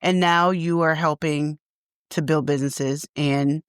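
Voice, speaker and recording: Low-voiced woman hosting, very dry sound. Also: steady tone, unhurried, clear, resonant tone, dry recording. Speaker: podcast host. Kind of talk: conversational interviewing.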